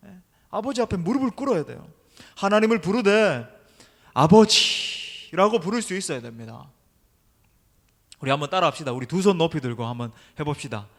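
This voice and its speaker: Middle-aged male pastor, emphatic sermon delivery, slightly high voice, long church-hall reverb. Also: animated, moderate pace, gravelly, fairly bright tone. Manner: emphatic preaching, addresses the congregation directly. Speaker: senior pastor. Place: church sanctuary during an evening service.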